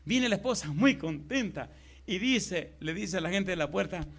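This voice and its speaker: A man preaching a live sermon to a congregation, telling stories and building to loud, emphatic cries. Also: high voice, lively intonation, normal speed. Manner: retells conversations, acting out each speaker. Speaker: pastor. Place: church before a congregation.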